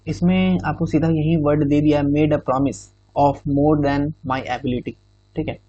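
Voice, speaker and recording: A man's voice: a little high, fairly even intonation, slow pace, warm tone, breathy edge, dry recording. A male exam-prep teacher explaining idioms in Hindi with English phrases, often checking in with "theek hai". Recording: dull, muffled recording.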